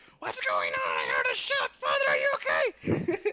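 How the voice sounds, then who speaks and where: Shouting in a put-on character voice at an extremely high pitch, the speaker keeps a moderate pace. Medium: actual play.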